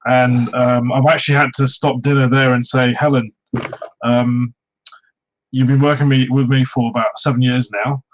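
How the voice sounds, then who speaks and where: A man's voice: mid-range voice, flat delivery, moderate pace. Man in his thirties, raised in Wales, modest, hesitant, lots of ums, muffled lo-fi sound. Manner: soft-spoken, modest, hesitant with many ums. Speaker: guest, Pokemon YouTuber. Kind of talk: casual interview chat. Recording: dull lo-fi sound.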